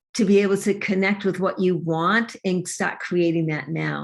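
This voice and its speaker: Her voice is a plain, everyday voice, pitched fairly low. This woman uses ordinary pitch variation. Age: 60s. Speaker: fitness and weight loss coach. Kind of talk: interview.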